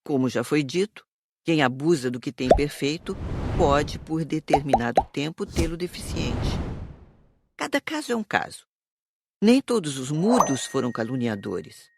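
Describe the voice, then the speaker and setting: A performer playing a patient, moralizing spirit teacher, explaining in a measured, didactic way for an audiobook. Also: medium pitch, very animated, vocal fry, noisy background. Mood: calm, instructive. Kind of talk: audiobook character reading.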